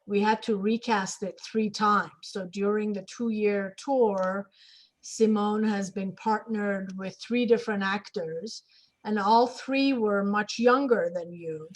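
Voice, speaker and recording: A woman's voice: medium pitch, fairly even intonation, slow pace, rough recording. A woman moderating a casual interview, speaking conversationally and prompting others to share. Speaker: panel moderator, theatre director.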